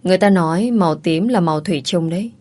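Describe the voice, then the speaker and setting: A woman voicing a young female student, a devoted, tearful daughter who speaks softly and hesitantly. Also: on the low side, fast talker, natural voice. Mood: tender.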